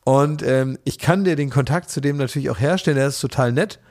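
A man's voice: mid-range voice, fairly quick, darkish tone. A man co-hosting a podcast in casual chat, telling ironic stories and often restarting his sentences. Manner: ironic, rambling storytelling with many restarts. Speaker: podcast co-host.

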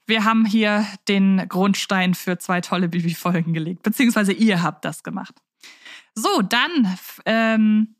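A woman speaks as a podcast host, with a voice pitched a little high. She moves between casual chat and reading aloud. The sound is dry, with hardly any room on it. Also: a bit bright, no echo.

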